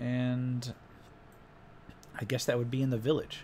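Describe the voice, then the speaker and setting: In an American accent, a man talks at a moderate pace with a medium-pitched voice. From Texas. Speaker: gaming video creator. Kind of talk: live gameplay commentary; reading game text aloud. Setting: live stream. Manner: casual, rambling with fillers.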